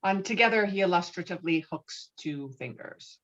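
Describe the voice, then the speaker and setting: A woman's voice: fairly low pitch, expressive, normal speed. A woman reading scripted stage directions as narrator at a table read, slightly muffled as on a video call.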